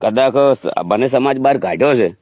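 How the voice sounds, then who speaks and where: A man's voice: medium pitch, lively intonation, normal speed, darkish tone, no room sound. A man with a Gujarati accent in a phone conversation, pressing his questions and complaints. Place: phone call. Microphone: telephone. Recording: tinny recorded phone call.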